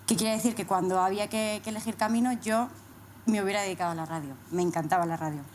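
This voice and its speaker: A woman's voice: medium pitch, fairly even intonation, fast, slight background noise. A thirty-year-old woman with a Madrid accent, telling her own story as an interview guest, often posing rhetorical questions. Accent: Spanish (Madrid). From Madrid, Spain. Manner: breaks explanations with rhetorical questions. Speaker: interview guest, corporate communications manager. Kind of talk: casual personal account in interview.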